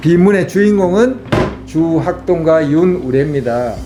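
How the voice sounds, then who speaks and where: A man speaks very slowly with lively intonation. Music plays in the background, and room echo is audible. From South Korea, rural. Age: 70s. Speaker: author and lecturer. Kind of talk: lecture to middle school students. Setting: school lecture with student audience. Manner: halting, with restarts.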